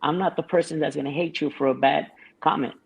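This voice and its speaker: A man's voice: on the high side, steady tone, fast, gravelly, breathy edge, poor audio. A man guesting on an interview show, talking about his music in a rambling way, with many restarts and fillers. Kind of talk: casual interview chat.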